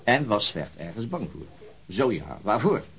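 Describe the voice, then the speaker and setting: An actor playing a methodical, weary police detective in a radio drama, speaking in a dry, deliberate, sometimes hesitant way. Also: male voice, fairly low pitch, very animated. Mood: dry, thoughtful. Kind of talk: naturalistic radio drama dialogue.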